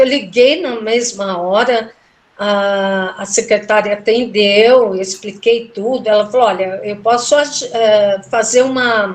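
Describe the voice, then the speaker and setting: A middle-aged woman with a fairly high voice tells a personal story in relaxed conversation. She retells it with feeling and slips into the voices of the people she quotes. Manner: emotional, animated retelling with quoted dialogue. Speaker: guest telling a personal story. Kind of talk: casual storytelling interview.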